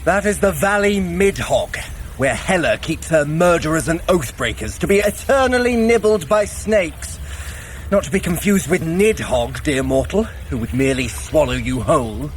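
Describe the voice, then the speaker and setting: An actor playing a sly, witty trickster god with a wry, theatrical manner in an audio adventure. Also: male voice, a little high, animated, normal speed, a little hiss or hum, close to an everyday voice. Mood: wry, droll. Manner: wry, theatrical, hesitant when evasive. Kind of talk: dramatised audio adventure for runners.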